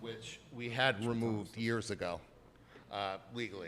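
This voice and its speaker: The voice is loud, with fairly even intonation. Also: man. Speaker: property owner applicant. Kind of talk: public meeting testimony. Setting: town planning board meeting.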